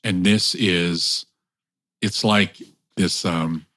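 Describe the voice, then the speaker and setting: Deep-voiced man, halting and thoughtful. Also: steady tone, pushed and bright, dry recording. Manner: thoughtful, halting, searching for words. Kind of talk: conversational podcast chat.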